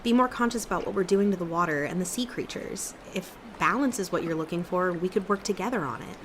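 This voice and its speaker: A woman's voice: on the low side, fast, a little hiss or hum, close to an everyday voice. A woman playing an earnest, determined young woman in an audio drama, with a persuasive manner. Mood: earnest, pleading.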